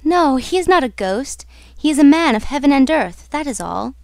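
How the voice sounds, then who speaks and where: A woman's voice: sits high, lively intonation, normal speed, gravelly, no echo, voice pushed up. A woman voicing a fearful, earnest young female opera singer in a dramatic, pleading manner for a storybook. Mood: insistent.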